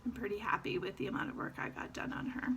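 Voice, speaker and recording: A woman's voice: fast, fairly bright tone, in a whisper. A woman chatting casually about her cross-stitch projects, rambling with fillers as she shows her work. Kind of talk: casual show-and-tell chat.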